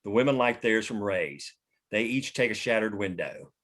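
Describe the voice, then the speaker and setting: Lowish-voiced man reading stage directions. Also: lively intonation, moderate pace, a bit bright. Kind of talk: scripted narration at a table read.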